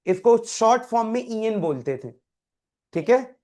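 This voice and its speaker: A man's voice: sits high, animated, a little slow, mellow. A man teaching a chemistry class, quizzing students by name and repeating key terms. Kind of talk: live classroom tutoring.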